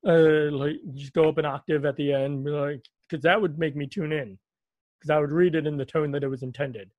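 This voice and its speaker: A man's voice: on the high side, steady tone, brisk, dry recording, muffled recording. A man hosting a casual podcast, rambling and joking with sarcastic asides. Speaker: podcast host.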